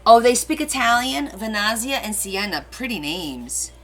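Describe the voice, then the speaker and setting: A woman's voice: a little high, big pitch swings, normal speed, fairly bright tone, soft background music. A middle-aged woman whose first language is Portuguese, chatting casually and rambling as she hosts a live crafting stream and answers viewer comments. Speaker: crafting livestream host.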